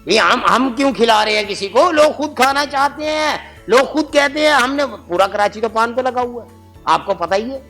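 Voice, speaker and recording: An actor playing a boastful old paan-shop owner of Lucknow stock, rambling and comically evasive on a comedy talk show. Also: male voice, very high voice, animated, sharp tone, faint music behind, full character voice. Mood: boasting. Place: TV studio.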